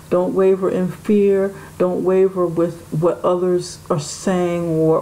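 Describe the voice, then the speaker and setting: A woman's voice: fairly low pitch, warm tone, slight background noise, poor audio. A woman giving an intuitive tarot reading, musing aloud and speaking to spirit and the viewer. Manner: musing, talks to spirit and viewer, laughs often. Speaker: tarot reader.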